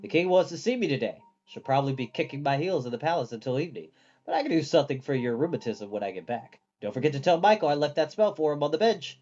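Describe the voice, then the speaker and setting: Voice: medium pitch, lively intonation, quick pace, a little mellow, lo-fi sound, natural voice. A storyteller voicing a vain, dashing male wizard from a fantasy storybook in a breezy, self-satisfied way.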